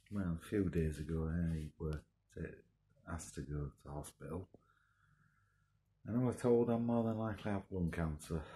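Soft-spoken and somewhat breathy, a man with a very deep, low pitch and a dark, mellow tone speaks at a moderate pace with lively intonation and long, frequent pauses over light background noise. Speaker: long-time smoker. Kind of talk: casual talk to camera. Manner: quiet, soft-spoken. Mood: earnest, somber warning. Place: home room. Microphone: phone near.

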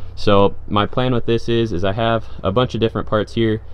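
In a plain, everyday voice, a man speaks at a moderate pace with a fairly low pitch and ordinary pitch variation, in a dry sound with no echo. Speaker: truck fabricator vlogger. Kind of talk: tutorial. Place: street.

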